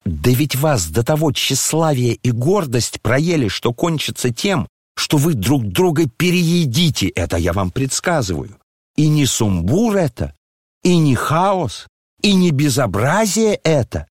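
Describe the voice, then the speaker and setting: Guy doing a shrill scolding old noblewoman, outraged, dry close audiobook sound. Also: sing-song, unhurried, breathy edge, dry recording. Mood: indignant. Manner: indignant scolding, shrill outbursts. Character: agitated noble older woman, scolding.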